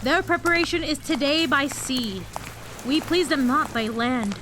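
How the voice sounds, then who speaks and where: High-voiced, betrayed Antony played by a woman. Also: unhurried, noisy background. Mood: resolute. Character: proud betrayed Roman general Antony, passionate and bitter. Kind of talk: Shakespearean audio drama acting.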